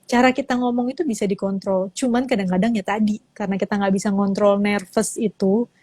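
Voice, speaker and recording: A woman's voice: medium pitch, steady tone, fairly quick, mellow, no room sound. A woman from teaching public speaking in a casual live-stream chat, explaining and acting out examples with changing intonation. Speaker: public speaking lecturer, guest. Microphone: live-stream phone mic.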